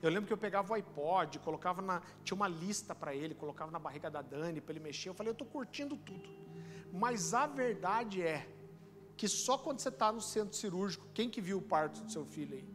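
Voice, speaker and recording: A man in his thirties with a Brazilian accent from Curitiba, preaching a sermon and telling a personal testimony in an animated storytelling way. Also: high-pitched, fast talker, in a large hall. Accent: Brazilian Portuguese, Curitiba. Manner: animated storytelling, addresses listeners as brother. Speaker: pastor. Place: church auditorium.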